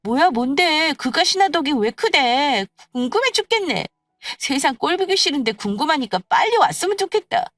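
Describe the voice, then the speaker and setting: A woman voicing excitable, gossipy young female friends in an audio story, exclaiming in a blunt, nosy way. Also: high voice, normal speed, no room sound, clean studio sound, voice pushed up. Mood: catty, impatient. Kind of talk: acted dialogue in an audio story.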